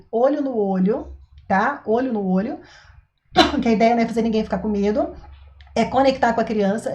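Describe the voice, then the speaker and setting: A woman, a mother and parenting coach, explaining to an online audience in an expressive way, often acting out scenes. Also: fairly high pitch. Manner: expressive, acts out scenes, tags sentences with "tá?" and "né?". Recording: echoey room.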